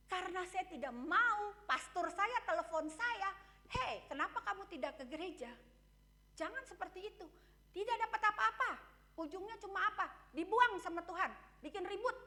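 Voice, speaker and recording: Woman pastor, very high voice, bright and forceful, sermon, asks the congregation questions. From Indonesia. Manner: candid and conversational, shares personal stories.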